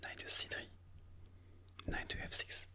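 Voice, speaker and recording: An ASMR host giving chess commentary in a breathy, unvoiced whisper, explaining moves slowly and deliberately. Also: sharp tone.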